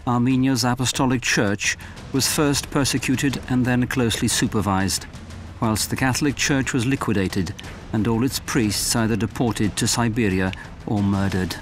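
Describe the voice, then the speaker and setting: A man giving measured, formal scripted narration for a documentary. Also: mid-range voice, steady tone, a little hiss or hum. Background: music.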